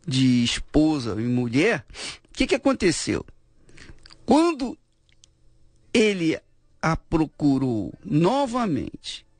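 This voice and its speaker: A man delivers a radio sermon in a raspy, gravelly voice, pitched a little high. His delivery is animated and emphatic, jumping up on key words. The sound is close and dry, with no room around it. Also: no echo. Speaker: bishop.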